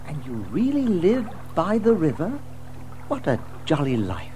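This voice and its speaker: A woman's voice: lowish voice, very animated, measured pace, warm tone, soft background music. A woman playing a naive, wonder-struck young mole in a children's audio drama, eager and questioning. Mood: curious, awed. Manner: eager, wide-eyed, questioning.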